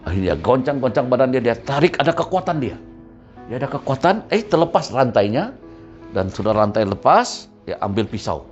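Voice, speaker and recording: A man's voice: mid-range voice, very animated, normal speed. A male pastor, preaching a storytelling sermon and acting out the voices of the people in his story. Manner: vivid storyteller who acts out the voices of his characters. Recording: muffled recording with soft music behind.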